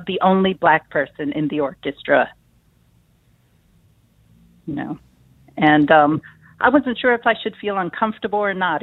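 A woman calling in to a radio show, speaking thoughtfully with pauses and fillers. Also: low voice, no room sound. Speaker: caller, clarinetist. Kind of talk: call-in talk over phone. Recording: dry tinny phone line.

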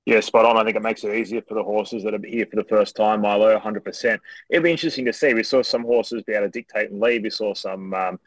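Man, broad Australian accent, slightly low voice, dry sound, slangy, matey, casual sports preview chat. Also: fairly even intonation, quick pace, no room sound, low-quality recording. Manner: colourful, matey, slangy banter. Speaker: racing tipster and panel guest.

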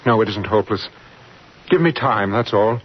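An actor playing a scheming, softly persuasive doctor and husband in an old radio drama, hesitant and measured. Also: male voice, fairly low pitch, expressive, slight background noise, close to an everyday voice. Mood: earnest pleading. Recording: dull old radio recording with music.

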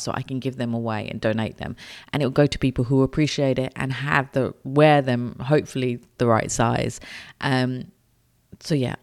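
A woman hosting a podcast, giving casual, chatty and upbeat decluttering advice as a professional organiser. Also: rumbling low. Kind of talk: casual tidying advice monologue.

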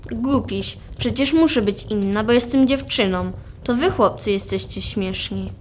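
A young female performer playing a brash, sharp-tongued girl with a Silesian accent in a radio play. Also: a little high, measured pace, a little hiss or hum, natural voice. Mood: teasing. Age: child or teenager. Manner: feisty, blunt, scolding.

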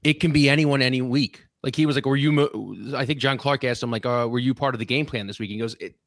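A man co-hosting a casual sports podcast, talking about his team in an animated, opinionated way. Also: mid-range voice, fast talker, no echo, clean studio sound. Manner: animated, opinionated fan talk.

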